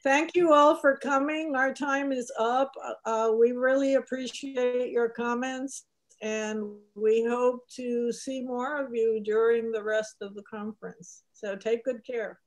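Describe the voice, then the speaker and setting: A woman's voice: on the high side, fairly even intonation, a little slow, rough recording. An older woman moderating a video panel and wrapping it up graciously.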